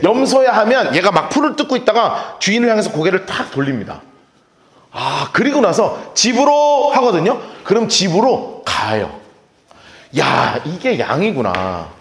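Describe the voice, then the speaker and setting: A male pastor preaching a sermon in a lively, storytelling way, often laughing as he talks. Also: high-pitched, roomy sound. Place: church sanctuary.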